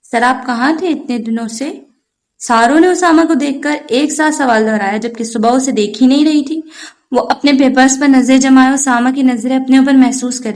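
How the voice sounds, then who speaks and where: A woman reading a novel aloud, in a steady, even narration. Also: on the high side. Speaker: novel reader. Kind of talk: audiobook narration of a romance novel.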